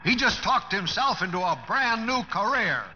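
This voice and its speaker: An actor playing an excited, folksy show-business pal, emphatic, in old radio drama style. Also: male voice, sits high, moderate pace, muffled recording. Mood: elated. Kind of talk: 1940s-50s radio drama acting. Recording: band-limited old radio recording.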